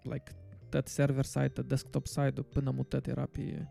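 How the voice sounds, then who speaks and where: A man's voice: medium pitch, completely flat delivery, vocal fry, mellow, soft background music. A man co-hosting a casual tech podcast, rambling and slipping in English words. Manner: rambling, mixes English words, many fillers. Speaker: podcast co-host.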